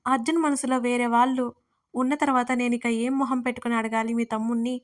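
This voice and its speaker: Woman reading as a weepy young woman, sniffly and pleading, highish voice. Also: flat delivery, fast talker, lightly acted. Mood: tearful. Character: young woman, tearful, hurt, jealous.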